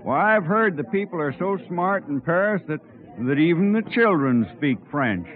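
A man's voice: fairly high pitch, expressive, moderate pace, crowd noise, lightly acted. A man playing a famous writer, speaking with a dry, drawling humor. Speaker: lead actor as a famous writer. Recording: tinny old radio broadcast.

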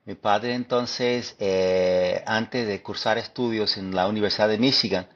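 Low-voiced American man, halting Spanish. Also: steady tone, a bit bright, muffled recording. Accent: American English. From Detroit, United States. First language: English. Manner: thoughtful, halting, many fillers and restarts. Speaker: guest historian. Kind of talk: interview conversation.

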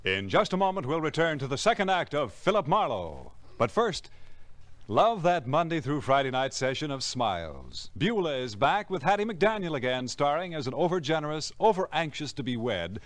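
A man's voice: fairly high pitch, very animated, normal speed, dry recording. An American man reading a scripted promo as an announcer in mid-century radio style.

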